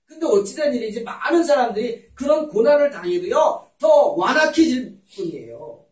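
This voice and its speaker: A male pastor delivers an animated sermon, moving between loud emphasis and soft asides. His voice is high and very lively in pitch. He is picked up from a distance in an echoey church hall. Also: normal speed. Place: church sanctuary.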